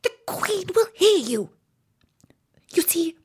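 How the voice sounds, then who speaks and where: A woman voicing a timid, anxious male white rabbit in a storybook, breathy and hushed, with a nervous, furtive manner. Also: extremely high pitch, big pitch swings, slow pace, a little hiss or hum, pitched above the performer's own voice, full character voice. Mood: frightened.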